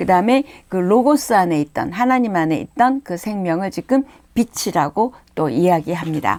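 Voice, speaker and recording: A woman speaks at a moderate pace in a dark, mellow tone with very wide pitch swings. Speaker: pastor teaching Bible course. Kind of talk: lecture.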